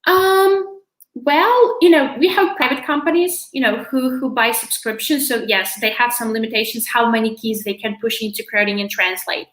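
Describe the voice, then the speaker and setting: A young woman walks through a software setup on a video call, talking in a loose, chatty way with lots of "you know" fillers. Her voice sits fairly high, and the room around her sounds echoey. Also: moderate pace. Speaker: presenter from a localization company. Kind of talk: live demo and Q&A on a video call. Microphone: video call webcam.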